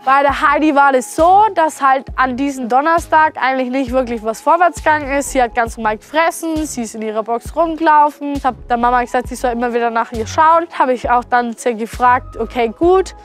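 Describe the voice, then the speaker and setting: Female farmer, twenties, high voice, relaxed interview delivery over music. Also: a little fast, few pauses. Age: 20s. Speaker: farmer, vlog host. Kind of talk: casual interview to camera. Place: open-sided cattle barn. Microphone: clip-on lapel.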